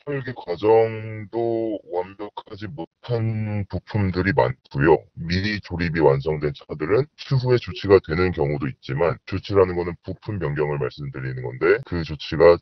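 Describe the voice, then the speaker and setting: A man, an anonymous whistleblower, speaking over a phone line through a voice changer that lowers his pitch, giving measured, formal explanations. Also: no echo. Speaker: anonymous whistleblower, auto parts subcontractor employee. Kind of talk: interview answers. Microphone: phone call. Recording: dull phone line with faint music.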